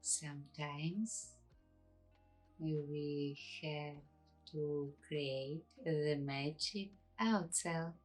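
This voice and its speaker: A woman guiding an ASMR meditation in a hushed, unhurried way, leaving long pauses between short phrases. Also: low-pitched, steady tone, slightly rough, soft background music, low-quality recording. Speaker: ASMR host and meditation guide. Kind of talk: slow ASMR guided meditation.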